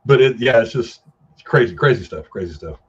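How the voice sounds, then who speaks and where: A man's voice: mid-range voice, animated, brisk, breathy edge, dull audio. A man co-hosting a casual film chat, telling rambling anecdotes in slangy, profane language. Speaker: podcast co-host.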